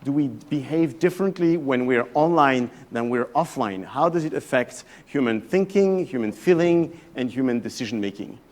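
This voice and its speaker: A man's voice: medium pitch, expressive, normal speed, few pauses, darkish tone. A man in his thirties with a French accent, a professor giving an evening talk to a live audience in a chatty, hesitant way that often restarts phrases. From France. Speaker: guest lecturer, professor.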